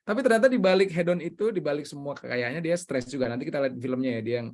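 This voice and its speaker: A male trainer runs an online session over a video call, talking fast in a fairly high voice. He is energetic and keeps coaxing his audience to join in.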